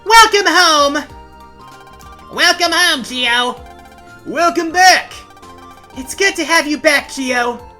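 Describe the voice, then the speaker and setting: In a game story, a woman voices an excitable, big-hearted young friend with gushing, emotional, high-energy acting. Her delivery is slow with long pauses and heavily acted, and the mood is welcoming, with faint music in the background.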